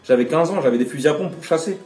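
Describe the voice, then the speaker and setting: A man's voice: a little high, very fast, darkish tone. A man from French Guiana, a rapper giving an interview, speaking passionately and emphatically with outspoken opinions. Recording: roomy echo, distant mic, faint music.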